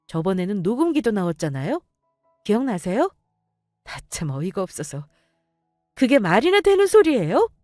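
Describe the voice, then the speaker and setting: A young woman narrating a dramatized story in a sharp, indignant way. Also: high voice, no echo, studio quality.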